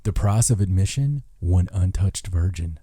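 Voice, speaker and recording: A man's voice: deep voice, animated, moderate pace, mellow, breathy edge, dry recording, clean studio sound. A man hosting a podcast in casual, rambling, jokey chat, full of enthusiasm. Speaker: podcast host.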